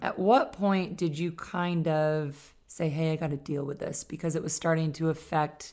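Her voice is very deep and low for a woman, with an upstate New York accent and fairly even intonation. She keeps a moderate pace with hardly any pauses. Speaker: podcast host. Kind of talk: casual interview conversation.

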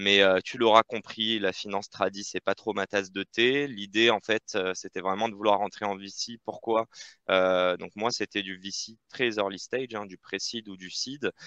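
In a dry, close sound with no echo and a quiet background, a man with a bright, sharp tone and fairly low pitch talks at a fairly slow pace with big swings in loudness. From Paris, France. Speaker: sales operations professional and podcast host. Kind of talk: interview.

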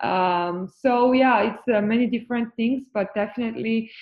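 A woman with a Georgian accent and fairly even intonation. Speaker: LGBTQ rights activist. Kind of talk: panel interview.

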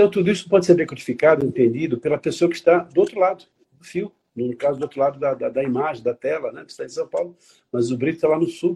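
Very fast speech comes from a man whose fairly high voice has a dark, mellow tone. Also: ordinary pitch variation, big swings in loudness. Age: 50s. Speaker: communication coach. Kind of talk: interview.

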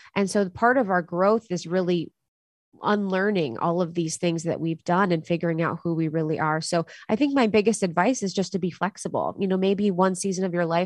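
A woman with an ordinary speaking voice talks at a fairly quick pace in a fairly low pitch with ordinary pitch variation. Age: 30s. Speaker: podcast host, wellness and spirituality. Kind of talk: casual interview chat.

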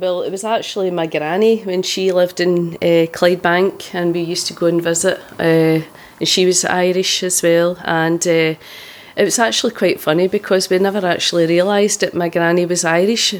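A woman with a Glaswegian accent, fairly low in pitch, at a moderate pace, in a flat monotone. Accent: Glaswegian Scottish. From Glasgow, Scotland. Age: 50s. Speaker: Glasgow native of Irish ancestry. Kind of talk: casual interview.

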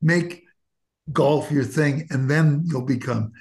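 Somewhat breathy, a man talks at a fairly slow pace. His pitch is fairly high, with ordinary variation. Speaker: touring bass player and singer-songwriter. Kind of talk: casual chat.

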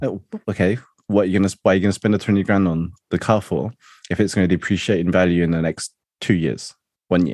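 A man with a Cantonese accent talks at a very fast pace, very deep and low, with fairly even intonation. The sound is dry and close with no echo, over a quiet background. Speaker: confidence coach. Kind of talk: casual interview chat.

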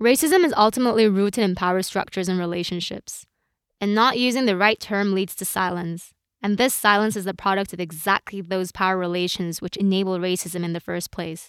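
A woman speaks at a fairly quick pace with a Japanese accent. Her pitch sits in the medium range. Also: ordinary pitch variation, very clean recording, silent background. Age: 20s. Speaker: podcast host. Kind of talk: scripted narration.

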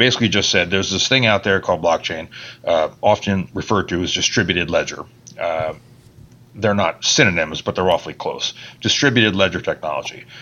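A man with an American accent speaks at a fairly quick pace. His pitch sits fairly low and varies in an ordinary way. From Maine, US (Bar Harbor). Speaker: financial regulator board member. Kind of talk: interview. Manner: fast.

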